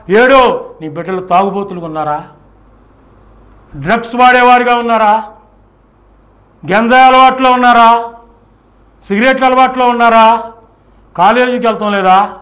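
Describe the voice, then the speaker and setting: Male preacher, high-pitched voice; fervent, emphatic exhortation in a church sermon style. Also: fairly bright tone. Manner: exhortatory, emphatic, repetitive rhetorical questions.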